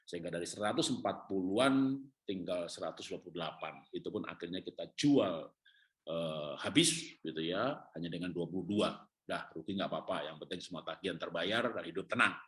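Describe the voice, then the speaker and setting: A middle-aged man preaching a sermon as a pastor, telling his own story with humor, then sinking into quiet, heavy stretches. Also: sits low, animated, fairly quick. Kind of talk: sermon with personal testimony.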